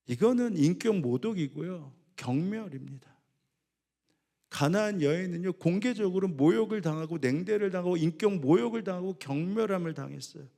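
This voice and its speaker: A male pastor delivers a sermon in a high, gravelly voice. He climbs to fervent, loud cries, then sinks to low, quiet passages. The delivery is emphatic and earnest. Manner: rising to impassioned shouts when voicing biblical cries, then dropping low and soft.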